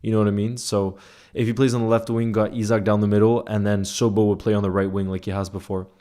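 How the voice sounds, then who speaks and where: A man with a fairly low voice hosts a football fan livestream. He talks casually and informally, reads comments from viewers and replies to them directly. He often repeats a phrase to drive it home. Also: flat delivery, quick pace, dark tone.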